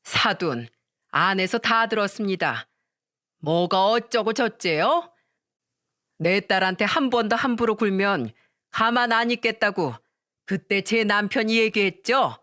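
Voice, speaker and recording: A woman's voice: medium pitch, lively intonation, a little slow, a bit bright. A woman voicing a stern, protective older mother who talks firmly and scolds. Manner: firm, scolding.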